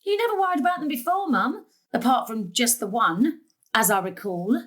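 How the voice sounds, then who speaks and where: High, animated, exasperated middle-aged mother. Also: moderate pace. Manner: exasperated, firm, emphatic. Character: exasperated, principled mother caring for family. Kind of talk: stage drama acting.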